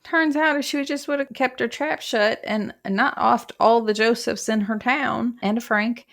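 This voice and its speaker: A woman's voice: fairly high pitch, fairly even intonation, a little slow, a bit bright. Wisecracking woman podcast co-host. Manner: irreverent, wisecracking. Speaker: true crime podcast co-host. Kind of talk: casual banter about a crime case.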